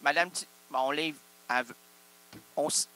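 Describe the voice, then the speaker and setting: A man's voice: a little high, steady tone, moderate pace, sharp tone. A man, hosting an improvised solo comedy show full of absurd, self-interrupting wordplay. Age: 30s. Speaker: host.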